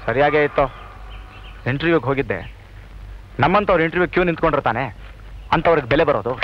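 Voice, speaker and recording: A man's voice: fairly high pitch, quick pace, slight background noise, close to an everyday voice. An actor playing a wry, good-humoured young man without work. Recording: dull old film soundtrack with music.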